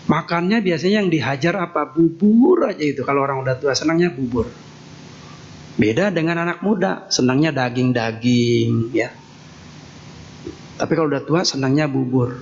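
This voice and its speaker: A man giving a Buddhist temple sermon in a folksy, joking way, tagging nearly every phrase with a questioning "ya". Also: a little high. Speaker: Buddhist monk giving a Dharma talk. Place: temple hall. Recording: dull lo-fi sound with faint noise.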